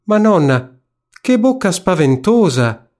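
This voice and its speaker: A man voicing an innocent little girl in a red hood in a spoken storybook, high and wide-eyed. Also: very animated, measured pace, a little mellow. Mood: frightened.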